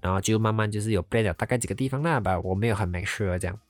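Animated man telling a story. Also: fairly low pitch, no room sound. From Malaysia. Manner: animated, mixes English words into Mandarin, drawn-out exclamations. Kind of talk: casual storytelling.

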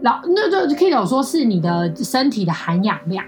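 A young woman speaks quickly in Taiwanese-accented Mandarin, rambling through her stories with fillers and restarts. Her voice sits a little high, and she keeps the pace brisk. Faint music plays underneath. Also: big pitch swings. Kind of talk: casual chat.

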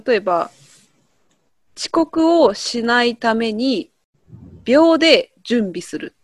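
A woman's voice: a little high, lively intonation, slow, no room sound, studio quality. A woman with a Kansai Japanese accent co-hosting a podcast, casually explaining slang with examples and laughing often. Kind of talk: casual chat lesson.

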